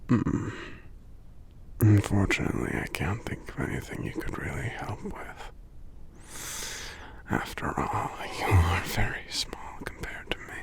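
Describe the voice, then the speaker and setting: A man playing a sick, gentle giant lover in an ASMR roleplay, murmuring drowsily and tenderly in a breathy whisper with gravelly hums. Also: fairly low pitch, animated. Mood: weary, affectionate. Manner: slow, tender, halting, murmuring hums between phrases. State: drowsy, under the weather.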